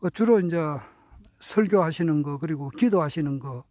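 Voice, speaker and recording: High-voiced older man, hesitant and earnest. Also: lively intonation, a little mellow, dry recording, poor audio. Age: 60s. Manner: hesitant, many drawn-out fillers and restarts; earnest, self-correcting while counting out years. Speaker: speaker sharing reflections on his teachers. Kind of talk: reflective spoken talk.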